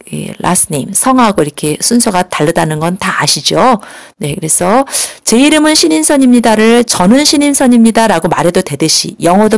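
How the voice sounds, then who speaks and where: A woman teaching an English lesson, explaining politely and patiently, slowing down to model phrases for learners to repeat. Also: fairly low pitch, vocal fry, no echo. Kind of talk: recorded language lesson.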